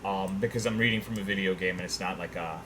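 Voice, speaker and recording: A man chatting casually on a livestream, rambling and swearing in a self-deprecating, animated way. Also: deep voice, fast, a little hiss or hum. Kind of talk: casual livestream chat, reading viewers' messages aloud.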